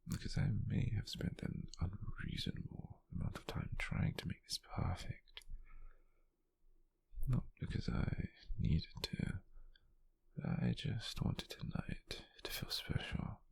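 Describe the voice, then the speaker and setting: Gentle, doting British wizard boyfriend played by a male ASMR actor: low, gravelly half-whisper, tender and softly teasing. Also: wildly swooping pitch, slow pace, full character voice. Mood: tender, shy. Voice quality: breathy, husky near-whisper. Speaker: ASMR roleplay performer. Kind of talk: ASMR roleplay, intimate whispering.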